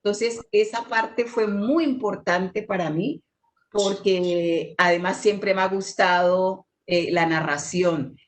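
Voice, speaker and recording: A middle-aged woman from Chocó, a dancer and teacher, telling childhood memories at an unhurried pace with many soft pauses. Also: medium pitch. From Chocó, Colombia. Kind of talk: panel talk, personal memories.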